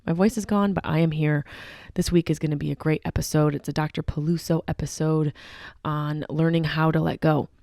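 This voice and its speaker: A woman hosting a comedy podcast, her voice hoarse and partly gone, talking in a brash, joking way with plenty of swearing. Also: deep voice, flat delivery, a little fast, mellow, dry recording, studio quality. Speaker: podcast host. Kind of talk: casual comedic podcast monologue. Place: guest room of a house.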